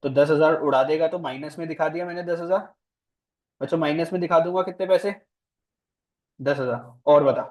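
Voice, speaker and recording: A man's voice: fairly high pitch, moderate pace, long pauses. A man teaching commerce in a classroom, playful and teasing, quizzing his students with speech. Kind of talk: classroom lecture.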